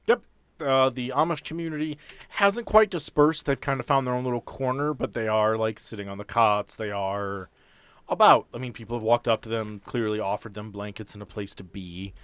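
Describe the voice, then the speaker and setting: A man's voice: mid-range voice, moderate pace, fairly bright tone, smooth, no echo. A man acting as game master, improvising narration and guiding players through a tabletop game.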